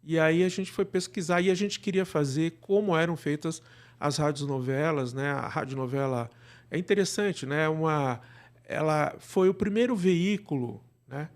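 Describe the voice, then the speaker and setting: A man's voice: on the high side, normal speed. A man with a Brazilian Portuguese accent explaining things conversationally as an interview guest, often adding short tag questions. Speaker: guest, radio drama producer.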